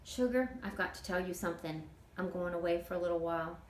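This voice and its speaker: A woman's voice: on the low side, quick pace, roomy sound, close to an everyday voice, poor audio. A woman reader voicing a folksy, motherly older woman from a children's storybook, with homespun turns of phrase. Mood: tender, worried.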